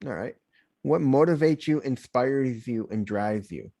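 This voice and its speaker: A man hosts a casual podcast interview and asks his questions plainly and directly. His voice sits at an ordinary pitch, and the recording is dry and close. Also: lively intonation, measured pace, gravelly, mellow, dry recording. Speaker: podcast host.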